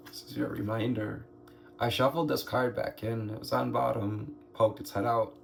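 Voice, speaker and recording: Male tarot reader, hoarse and gravelly, unhurried, meandering delivery, faint noise underneath. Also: mid-range voice, steady tone. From United States. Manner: slow, meandering, musing aloud with pauses and throat clearing. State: hoarse, scratchy throat. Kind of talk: slow spiritual card reading.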